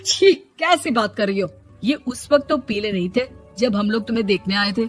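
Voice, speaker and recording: A woman voicing an irritable, proud middle-aged mother-in-law in an animated story, nagging and scolding with exasperation. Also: medium pitch, moderate pace, faint music behind, natural voice. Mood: indignant.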